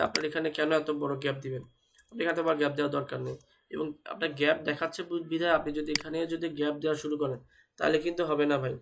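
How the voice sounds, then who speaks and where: A young man with a fever runs a live online web development class, explaining step by step, repeating words and spelling terms out. The fever has him speaking slowly. His voice is a little high and fairly bright, with vocal fry.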